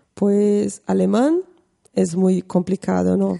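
In a Brazilian accent, a woman speaks very slowly with a dark, mellow tone. The sound is dry and close, with no echo. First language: Portuguese (speaking Spanish). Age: 30s. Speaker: podcast guest. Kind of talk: interview.

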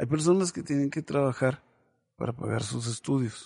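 A man's fairly high, somewhat breathy voice with a dark, mellow tone, at a moderate pace against a quiet background. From Mexico, Ciudad Juárez (Chihuahua). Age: 60s. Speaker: local television station director. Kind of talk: casual interview. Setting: office.

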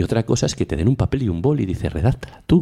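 A man's very fast, medium-pitched voice with a dark, mellow tone, vocal fry and very wide pitch swings. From Asturias, Spain. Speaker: lawyer and podcast host. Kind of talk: casual chat.

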